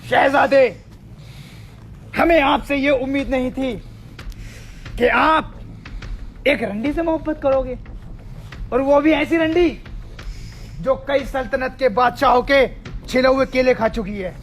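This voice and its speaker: A man playing a pompous, quick-tempered Mughal emperor in a crude comedy sketch, declaiming and shouting orders. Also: extremely high pitch, slight background noise, exaggerated voice. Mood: commanding.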